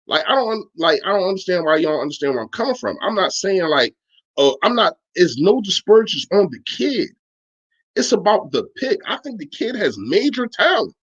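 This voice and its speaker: A man's voice: high-pitched, sing-song, moderate pace, fairly bright tone, breathy edge, muffled recording. A man hosting a sports podcast, arguing his points emphatically in casual, slangy chat while answering his live audience.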